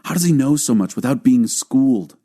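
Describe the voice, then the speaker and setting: A man plays a doubter from an ancient crowd in a scripture audiobook. He is argumentative and questioning, with a very dark, mellow tone. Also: mid-range voice, animated, brisk, pitched above the performer's own voice, natural voice. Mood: incredulous. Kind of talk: audiobook dramatized scripture reading.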